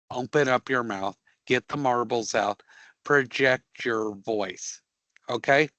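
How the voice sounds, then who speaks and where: A man teaching a live career prep class, emphatic and joking, often checking in with a quick "okay?". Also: mid-range voice, fairly bright tone, no echo.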